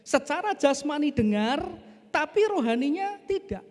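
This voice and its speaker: A man's voice: extremely high pitch, moderate pace. A male pastor preaching a sermon, often addressing the congregation as "brothers and sisters". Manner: addresses the congregation as "saudara", animated storytelling. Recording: echoey church hall.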